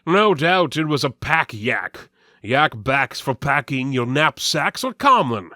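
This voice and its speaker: A man acts out a gruff, hearty warrior from a fantasy storybook. He declaims with emphasis and very animated pitch, recorded dry and close. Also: takes it slowly, no echo, heavily acted. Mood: jovial. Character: gruff, hearty one-legged axe-wielding warrior, fantasy adventurer.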